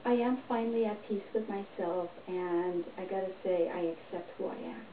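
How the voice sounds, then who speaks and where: A middle-aged woman performer giving a deadpan, tongue-in-cheek monologue to camera. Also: medium pitch, moderate pace, a little hiss or hum. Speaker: comedy performer. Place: small indoor room, plain wall. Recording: echoey, distant, dull home recording.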